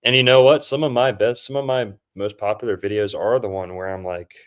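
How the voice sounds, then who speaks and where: Young male host, lowish voice, mocking and jokey while riffing over a movie. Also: fairly even intonation, a little fast, smooth. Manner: joking, mocking, slips into put-on impressions. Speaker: podcast host. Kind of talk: casual commentary over a film.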